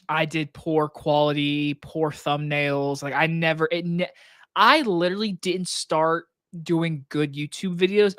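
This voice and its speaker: A man with a scratchy, hoarse throat hosting a casual live stream Q&A from his desk, talking loosely with plenty of likes and restarts into a microphone on a boom arm. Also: fairly bright tone, dry recording, studio quality. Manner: loose, rambling talk with many likes and restarts. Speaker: movie reviewer and channel host. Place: home desk setup.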